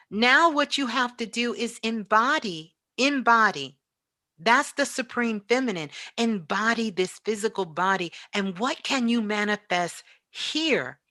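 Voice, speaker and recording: A woman's voice: on the high side, sharp tone, dry recording, studio quality. A woman giving a spiritual motivational talk as a teacher, speaking emphatically and repeating phrases for effect.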